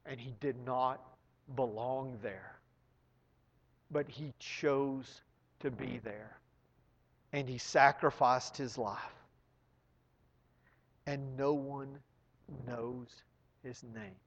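A man preaching a sermon to his congregation, speaking earnestly and sinking to a hush at solemn moments. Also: mid-range voice, fairly even intonation, big-room sound, highs cut off. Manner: slow, earnest, dropping to near whisper. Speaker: pastor.

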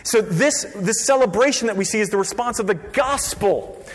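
A man preaching a sermon as pastor, conversational and lively, dropping to a quiet voice for emphasis. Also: high-pitched, moderate pace. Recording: long reverb of a large hall.

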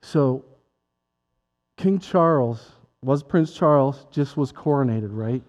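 Mellow-voiced pastor preaching in a reverberant hall. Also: male voice, medium pitch, animated, slow. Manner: conversational, joking asides to congregation. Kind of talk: sermon. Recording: dull lo-fi sound with long hall reverb.

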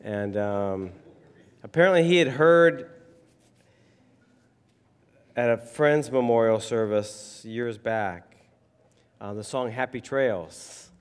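A man with a hoarse, froggy voice preaches in a relaxed, rambling way, full of ums and asides. His voice is of ordinary pitch for a man. The sound carries a long reverb, as in a church hall. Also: slow, long pauses. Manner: rambling, conversational, many fillers. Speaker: pastor. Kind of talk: casual sermon.

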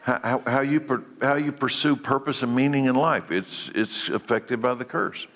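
A man's voice: mid-range voice, normal speed, fairly bright tone, big-room sound. A congested man leading a church Bible study, preaching in a conversational way that often restarts his phrases. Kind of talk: church teaching session.

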